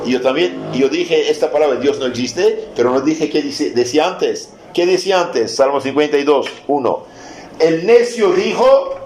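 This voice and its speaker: A man, a priest, giving a catechism lesson, asking rhetorical questions, answering them emphatically and reading scripture slowly and deliberately. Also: on the high side. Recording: echoey room with faint noise.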